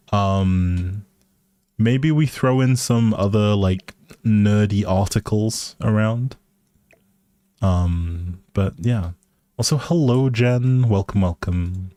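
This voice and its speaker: A man's voice: medium pitch, dark tone, no echo. A man hosting a casual gaming livestream, talking politely and appreciatively to his viewers. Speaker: livestream host. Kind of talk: casual livestream chat while playing a life simulation game. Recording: music behind the voice. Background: music.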